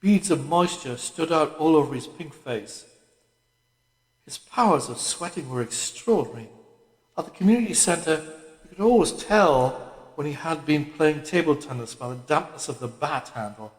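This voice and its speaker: A man reading a literary audiobook as scripted narration, with measured, deliberate phrasing. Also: fairly high pitch, expressive. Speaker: audiobook reader. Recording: echoey room with long reverb.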